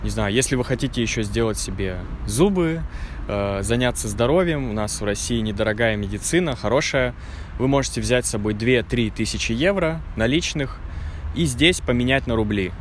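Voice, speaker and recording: A man's voice: mid-range voice, lively intonation, fairly quick, slight background noise. A man hosting a casual outdoor chat, speaking fluently and explaining things to viewers. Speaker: host. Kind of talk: casual conversational video.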